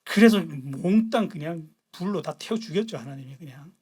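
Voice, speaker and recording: A pastor giving a sermon, retelling scripture in a blunt, colloquial way, jumping between loud outbursts and hushed asides. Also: mid-range voice, expressive, moderate pace, slightly rough.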